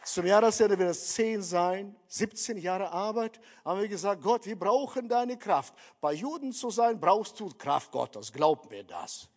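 A man's voice: high voice, animated, a little slow, few pauses, some chatter behind. A man preaching a sermon, emphatic, repeatedly calling his listeners dear friends. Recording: long hall reverb.

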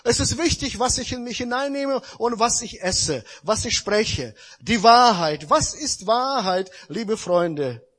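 A man's voice: high-pitched, expressive, takes it slowly, a bit bright, husky. A man preaching a sermon, speaking emphatically and addressing the congregation directly.

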